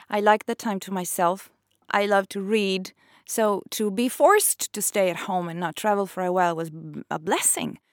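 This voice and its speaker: A woman at a moderate pace, in a very clean recording with a silent background and a dry, close sound with no echo. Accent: Italian. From northeast Italy, near Trieste. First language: Italian. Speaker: author and podcaster. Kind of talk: interview.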